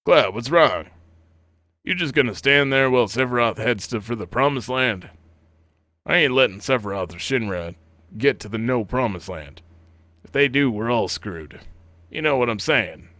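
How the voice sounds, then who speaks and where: A man's voice: medium pitch, expressive, normal speed, sharp tone, dry recording. A man voicing an impatient, blunt, slangy rebel fighter from a video game. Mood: urgent, impatient. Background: video game music.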